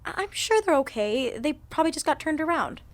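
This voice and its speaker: A gentle young woman, played by an actress with a fairly high voice. She sounds soothing and slightly hesitant, in audio drama style. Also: very animated, fairly quick. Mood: reassuring.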